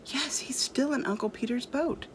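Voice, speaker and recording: A woman's voice: high-pitched, normal speed, in a whisper, pitched above the performer's own voice, close to an everyday voice. A woman voicing an eager, curious ten-year-old boy in a children's storybook, earnest and full of questions. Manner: excited, questioning.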